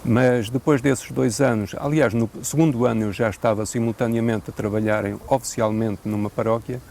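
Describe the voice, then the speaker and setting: Portuguese priest with a gravelly voice. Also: male voice, mid-range voice, steady tone, darkish tone. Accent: European Portuguese. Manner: measured, thoughtful, with hesitant fillers and a dry joke now and then. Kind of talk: unscripted interview answers.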